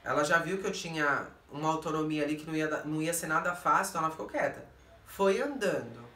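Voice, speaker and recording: A woman's voice: sits low, expressive, quick pace, sharp tone. A Brazilian woman vlogger with a Brazilian Portuguese accent, telling a story to her viewers in a blunt, emphatic way that keeps turning to her audience. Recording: roomy echo, distant mic.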